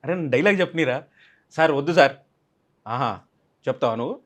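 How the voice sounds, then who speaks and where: A man's voice: on the high side, expressive, brisk. A man, an actor being interviewed, telling a film-set story animatedly and acting out other people's lines. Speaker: actor guest.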